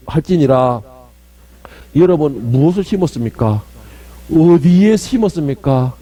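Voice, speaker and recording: A male pastor preaching a sermon, emphatic and often quizzing his congregation. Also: high voice. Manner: emphatic, questioning the congregation, swinging between loud and hushed.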